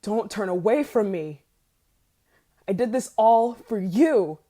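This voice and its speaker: A woman's voice: mid-range voice, expressive, takes it slowly, warm tone. A woman playing an obsessive, possessive, murderous yandere lover in an intimate ASMR roleplay monologue, moving between whispers and frantic outbursts. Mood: desperate, angry.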